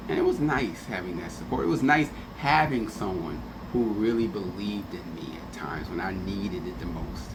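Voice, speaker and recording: Deep-voiced and moving at a moderate pace with few pauses, this radio host speaks over background noise. His casual talk is an affectionate tribute to a friend who has died, and he frequently performs remembered lines.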